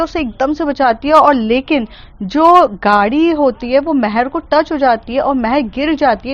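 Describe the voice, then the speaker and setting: Woman storyteller, high voice, chatty retelling, muffled sound. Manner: fast, chatty retelling with mixed English words. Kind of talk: casual story narration.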